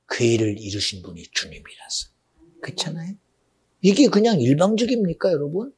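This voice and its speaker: A man preaching a sermon as pastor, swinging between loud exclamations and hushed, almost whispered asides. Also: fairly high pitch, sing-song, brisk, slightly rough.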